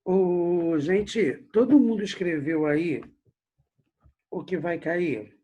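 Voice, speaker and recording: Brazilian guy teaching lit online, kinda husky, chats at the class a lot. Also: high voice, takes it slowly, highs cut off. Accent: Brazilian Portuguese. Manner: chatty, addresses the class directly with frequent tags. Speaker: literature teacher.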